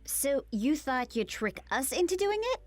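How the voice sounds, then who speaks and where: A woman voicing a patient, hurt young wife who pleads with her mother-in-law in an animated story. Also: high voice, a little slow, dry recording, faint music behind. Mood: pleading. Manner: earnest, pleading. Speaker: daughter-in-law.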